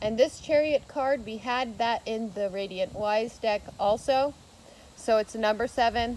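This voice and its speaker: A woman with a plain, everyday voice speaks at a fairly slow pace, her pitch fairly high with ordinary pitch variation. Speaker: tarot reader. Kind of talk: tarot reading to camera.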